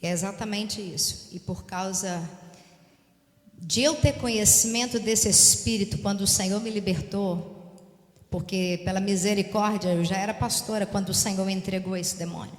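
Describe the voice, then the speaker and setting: A woman's voice: mid-range voice, moderate pace. Earnest woman pastor in echoing hall. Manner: earnest, confiding personal testimony. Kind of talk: sermon testimony. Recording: echoey hall reverb.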